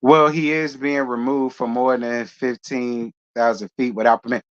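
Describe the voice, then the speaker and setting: A man's voice: medium pitch, steady tone, normal speed, a bit bright, clean tone. A man hosting casual gossip commentary in a sassy, chatty way with laughing asides. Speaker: host. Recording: dull lo-fi.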